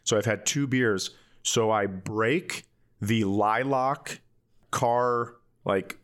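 A middle-aged man, a comedian and podcast co-host, telling casual comic stories in a candid, self-deprecating way. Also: fairly low pitch.

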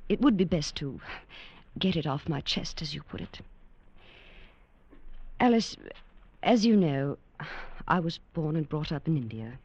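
A woman's voice: deep voice, expressive, unhurried, pauses often, a little mellow, breathy edge, exaggerated voice. An actress playing an earnest young English woman who narrates her story and speaks breathlessly, in 1940s radio acting. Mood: recounting. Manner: breathless, wide-eyed. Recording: muffled old radio broadcast with music.

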